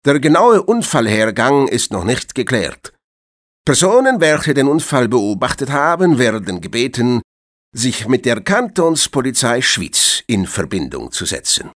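A man's voice: mid-range voice, sing-song, unhurried, fairly bright tone. A man playing a formal evening newsreader, delivering a scripted police report with emphasis. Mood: formal, serious. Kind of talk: scripted news bulletin.

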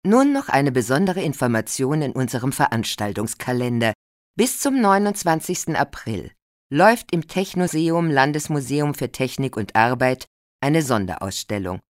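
Woman radio presenter, acted, deep register with animated intonation, informative scripted event announcement, careful diction. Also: normal speed, dry recording, studio quality.

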